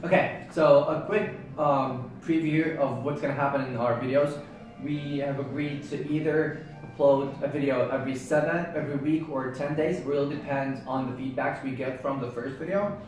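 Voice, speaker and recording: A man's voice: medium pitch, steady tone, moderate pace, darkish tone, heavy reverb, distant mic, soft background music, rough recording. A man in his twenties from Yemen whose native language is Arabic, co-hosting a casual chat in an upbeat, eager way. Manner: upbeat and eager, laughs often. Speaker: co-host.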